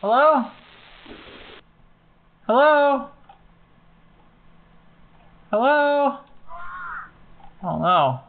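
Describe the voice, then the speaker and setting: A man's voice: extremely high pitch, big pitch swings, drawn-out words, long pauses, a little hiss or hum. A man making a prank phone call, calling out again and again as the line keeps dropping out. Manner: repeating hello as the line cuts out. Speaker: prank caller.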